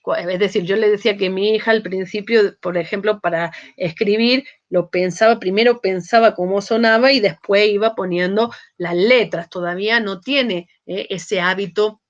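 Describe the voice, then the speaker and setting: A woman's voice: medium pitch, steady tone, moderate pace, few pauses. A woman giving a university lecture who keeps checking in with her students with "¿eh?" and "¿sí?" and often restarts her sentences. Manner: frequent checking tags "¿eh?" and "¿sí?", many restarts. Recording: slightly muffled lecture audio.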